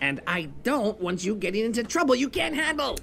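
Against clear background noise, a man uses a high-pitched put-on character voice at a fairly quick pace. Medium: audio drama. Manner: dry, sarcastic.

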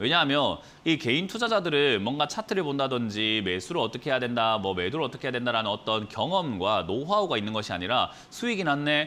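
The voice rushes along at a very fast pace with very wide pitch swings. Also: man. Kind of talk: commentary. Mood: earnest advising tone. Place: studio.

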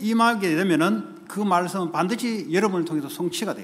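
The intonation is lively. A man talks at a high pitch. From Korea. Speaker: pastor. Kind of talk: sermon. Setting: church. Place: church. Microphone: podium.

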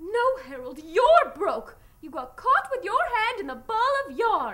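This cartoonish character voice sits at an extremely high pitch with very wide pitch swings. The pace is fairly slow. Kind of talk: comic puppet melodrama. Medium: puppet show. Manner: indignant, fretful.

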